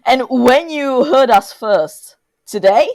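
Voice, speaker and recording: Slow-paced woman chatting casually. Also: sits high, expressive, darkish tone. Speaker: podcast co-host. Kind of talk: casual chat.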